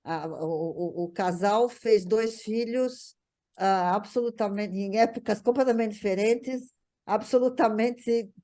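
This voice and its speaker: A woman with a Brazilian Portuguese accent, a guest reminiscing casually, halting and repeating words for emphasis. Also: medium pitch, mellow. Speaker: guest, daughter of the honoree. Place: online video call.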